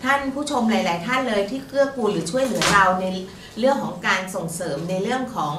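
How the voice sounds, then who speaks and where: A woman's voice: on the high side, lively intonation, quick pace. A woman co-hosting a fortune-telling show, chatting politely and giving lottery tips. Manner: polite, chatty, frequent particles. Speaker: fortune teller co-host. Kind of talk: casual lottery-tip talk. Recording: roomy, distant mic, faint noise.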